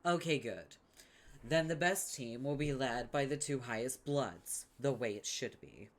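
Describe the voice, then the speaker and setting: A man's voice: mid-range voice, measured pace, natural voice. A man voicing a smug, scheming young female troll with a brash, sarcastic delivery.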